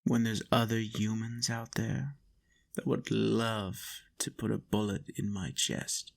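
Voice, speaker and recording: A man playing a possessive, doting vampire master in an intimate roleplay monologue, coaxing and teasing with soft menace. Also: fairly low pitch, flat delivery, slow, creaky.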